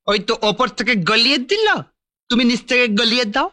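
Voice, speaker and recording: An actor playing a teasing, belligerent drunk husband in a broad film comedy, rambling and childish. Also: male voice, very high voice, animated, fairly quick, pushed and bright, exaggerated voice. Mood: tipsy pleading. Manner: belligerent drunk, rambling, taunting, sing-song. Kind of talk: broad comic film acting.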